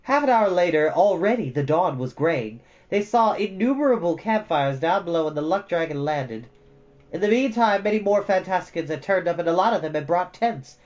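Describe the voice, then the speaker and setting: A storyteller reading fantasy fiction aloud as expressive storybook narration. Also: mid-range voice, moderate pace. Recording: slightly dull, band-limited audio. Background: faint music.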